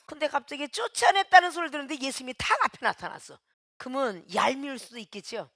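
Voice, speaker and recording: Woman, pastor, sermon, high bright voice, dry close sound, emphatic with shouts and hushes. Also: lively intonation, fast talker, no room sound. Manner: emphatic, swinging between shouting and hushed speech; preaching in a dramatic way, calling out to the congregation.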